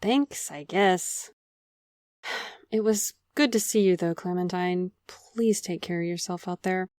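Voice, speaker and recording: A woman's voice: on the low side, slow pace, darkish tone, no echo, studio quality. A woman in an audio drama playing an apologetic, privileged official who speaks politely and earnestly. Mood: subdued, tender.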